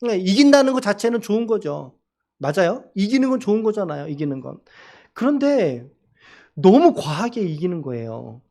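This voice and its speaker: A man's voice: high-pitched, very animated, normal speed, gravelly, warm tone. A man preaching a Sunday sermon as pastor, talking conversationally, asking the congregation questions, and acting out quoted dialogue. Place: church service.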